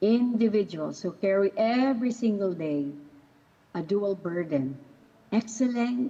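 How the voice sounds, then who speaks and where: The speaker uses lively intonation at a moderate pace, with noticeable background noise. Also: woman. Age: 60s. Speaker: resource speaker on emotional intelligence. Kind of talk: seminar talk. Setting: hall with live and online audience.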